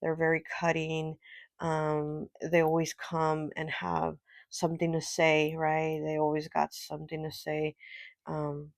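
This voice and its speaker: Nasal, gravelly tarot reader with a cold. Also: medium pitch, monotone, unhurried, no room sound, poor audio. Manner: chatty, rambling, frequent fillers and little laughs. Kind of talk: casual tarot card reading.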